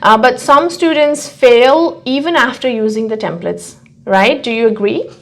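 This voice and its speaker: Woman test coach chatting thru q&a, voice a bit on the high side. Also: unhurried. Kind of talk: casual question-and-answer discussion.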